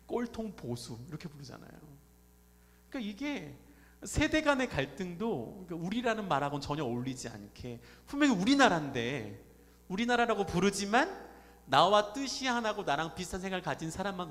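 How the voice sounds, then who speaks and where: A pastor with a high-pitched, slightly bright voice preaches a Sunday sermon in a church sanctuary. He addresses the congregation conversationally, asking them questions, amid the reverberation of the hall.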